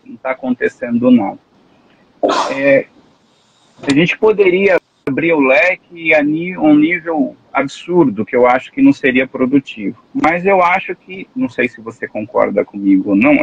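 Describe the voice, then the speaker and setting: A man's voice: medium pitch, gravelly, husky, highs cut off. A man hosting a political live stream interview, talking earnestly and often hesitant, with restarts. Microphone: live stream call.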